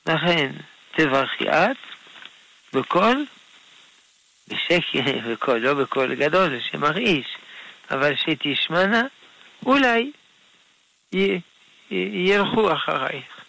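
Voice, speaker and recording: A man, a rabbi, answering listener questions on a radio call-in show in a gentle, unhurried way. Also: on the high side, animated, vocal fry, low-quality recording. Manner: gentle, unhurried, explains patiently with soft laughs.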